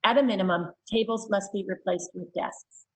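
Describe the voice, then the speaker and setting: Woman reading public comments, slightly husky. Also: medium pitch, normal speed, low-quality recording. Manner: steady read-aloud with brief hesitant asides. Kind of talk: reading written comments aloud at a board meeting.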